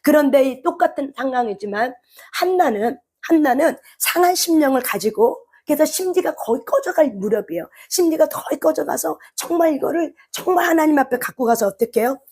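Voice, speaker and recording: A woman preacher giving an impassioned sermon. She keeps asking the congregation questions, and her voice climbs into shouted cries. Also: high-pitched, animated, a little fast. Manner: impassioned, rises to shouted cries when voicing prayer; asks the congregation rhetorical questions.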